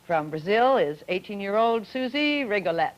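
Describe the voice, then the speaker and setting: A poised woman moderates an old broadcast discussion in an average-pitched voice, asking her questions briskly. The archival recording sounds dull and muffled, with the top end rolled off. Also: animated. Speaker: forum moderator.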